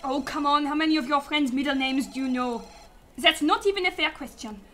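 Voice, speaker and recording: An actress playing a sassy, sarcastic young detective's assistant in a sci-fi radio drama. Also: female voice, sits high, brisk, sharp tone, slight background noise. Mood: pleading. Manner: sarcastic, teasing.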